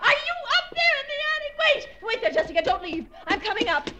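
An actress playing a frightened, guilt-ridden sister in 1940s radio suspense style, calling out upward to someone out of sight. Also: female voice, extremely high pitch, very animated, fast talker, shouting. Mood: frantic calling. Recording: noisy vintage radio recording.

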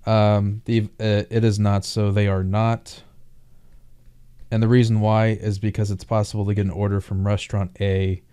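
A male tutor talks through a worked problem in a low, mellow voice. His intonation stays very flat. He goes haltingly, thinking aloud in an informal, explanatory way. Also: smooth. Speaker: math tutor.

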